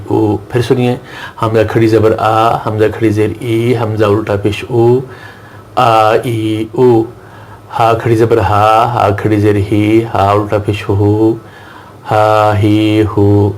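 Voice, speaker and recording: Male Quran reading teacher, low and monotone, slow chanted letter drills. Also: a little hiss or hum. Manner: recites Arabic verses slowly in a melodic chant. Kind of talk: slow drilled recitation lesson.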